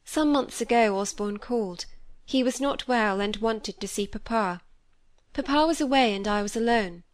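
A woman doing an earnest young girl. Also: natural voice. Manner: higher, quick and careful telling.

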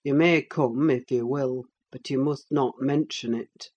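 A woman voicing a bitter, scornful middle-aged landowner in an audiobook, speaking in a gruff, contemptuous way. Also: extremely low pitch, steady tone, unhurried, darkish tone, lo-fi sound. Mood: stern. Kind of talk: audiobook character voice.

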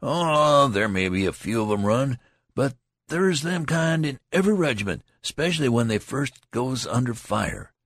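A man's voice: sits low, animated, normal speed, gravelly, slightly rough, no room sound, clean studio sound, exaggerated voice. A man voicing a tall, boastful young soldier who talks in a folksy, lecturing way. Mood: knowing. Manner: folksy rural talk, lecturing.

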